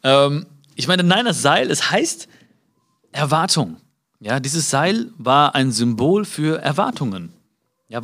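A man giving a live motivational talk. He speaks to his listeners directly, acts out little dialogues and jumps high in pitch to stress a point. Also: a bit bright. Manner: many fillers and restarts, acts out small dialogues.

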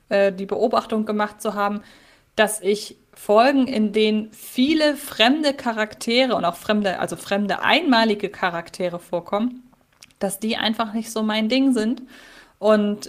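A woman co-hosting a casual podcast, thinking out loud. She hesitates often, restarting phrases and filling pauses as she weighs her views. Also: medium pitch. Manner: thoughtful, hesitant with many fillers. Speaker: podcast co-host.

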